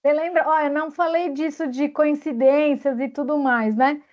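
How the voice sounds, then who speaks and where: A woman's voice: high voice, fairly even intonation, normal speed. A woman coach talking casually in an online meeting, thoughtful and searching for words. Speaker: guest speaker and coach. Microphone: video call. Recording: dull lo-fi video call audio.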